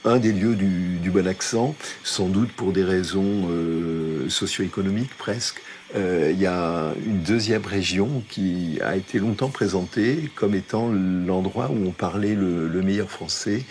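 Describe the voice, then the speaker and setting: A man's voice: sits low, a little slow, darkish tone, slight background noise. A man giving an unscripted explanation in an interview, often searching for his words. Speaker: interviewed expert.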